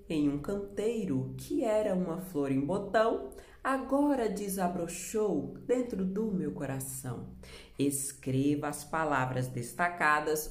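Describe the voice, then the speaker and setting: A woman's voice: sits low, reverberant. A Brazilian woman teaching a remote lesson for children, patient, explaining step by step and asking the class questions. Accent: Brazilian Portuguese.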